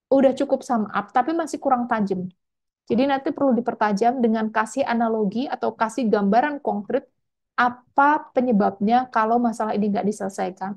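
After running a mock interview over video, a female scholarship mentor offers relaxed, talkative feedback full of tag words. She speaks in a mid-range voice with a darkish tone.

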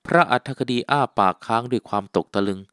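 A man narrating a literary novel as an audiobook, in a measured, even way. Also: fairly low pitch, clean tone, no echo, clean studio sound.

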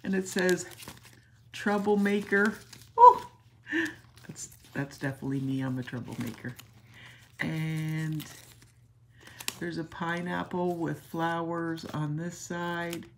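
A woman hosting a craft channel, gushing warmly over gifts as she unboxes them, emotional and sometimes dropping to a whisper. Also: fairly low pitch, takes it slowly, pauses often, a little hiss or hum. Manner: gushing and tender, often drops to a whisper. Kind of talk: casual gift unboxing chat.

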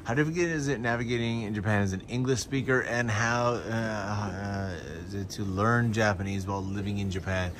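A man's voice: lowish voice, moderate pace, few pauses. Chatty man walking city streets. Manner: relaxed, chatty, answering viewer questions while walking. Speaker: vlogger and livestream host. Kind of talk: casual walking livestream chat. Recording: street noise behind the voice. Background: street ambience and passing vehicles.

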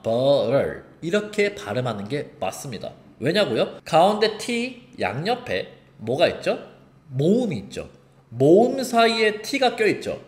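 Male online teacher, fairly high and very animated, pronunciation lesson, roomy echo. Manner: lively, explains and demonstrates sounds. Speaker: English teacher.

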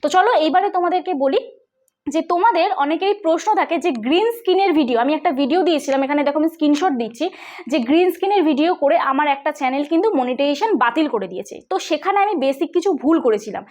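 A woman's voice: high-pitched, lively intonation, racing, a little mellow. A woman with a West Bengal accent hosting a tech vlog, explaining things chattily and often checking with listeners. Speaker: tech channel host. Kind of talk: casual tutorial vlog.

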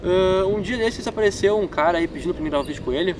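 A man's voice: sits high, quick pace. A young man with a southern Brazilian gaúcho accent, chatting casually as he answers fan questions in a park vlog, full of filler tags and self-deprecating laughs. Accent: southern Brazilian gaúcho Portuguese. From Rio Grande do Sul, Brazil. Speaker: gaming YouTuber. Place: outdoors in a wooded park. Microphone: camera mic from a few feet away. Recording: distant camera mic with outdoor noise.

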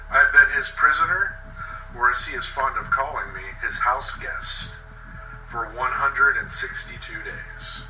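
A man's voice: medium pitch, bright, forceful tone, distant mic. A man reading a horror monologue as a bitter, vengeful captive, brooding and sardonic as he confesses. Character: bitter, vengeful male captive with anger issues. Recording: roomy echo, set back from mic. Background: music.

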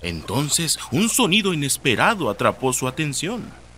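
A man's voice: on the high side, sing-song, moderate pace, sharp tone, slight background noise. A man with a Latin American Spanish accent narrating a scripted horror story.

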